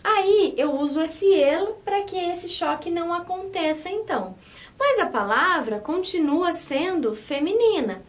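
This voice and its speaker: A woman's voice: very high-pitched, expressive, a little slow. A woman teaching a language lesson, explaining patiently step by step, switching between two languages and checking that students follow. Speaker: Spanish teacher.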